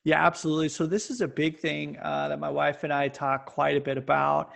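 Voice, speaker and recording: A man's voice: on the high side, level tone, a little fast, gravelly, a bit bright. A man in his forties from Kansas, chatting as a podcast guest in a loose, rambling way. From Kansas, USA. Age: 40s. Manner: rambling, self-described babbling. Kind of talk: casual conversation.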